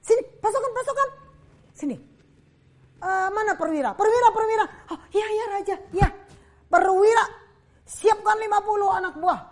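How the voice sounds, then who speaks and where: A woman's voice: very high-pitched, normal speed, pauses often, voice pushed up. A woman voicing a bossy male king who barks orders in a raised voice, in a children's Bible story. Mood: flustered bossy. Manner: barking loud commands.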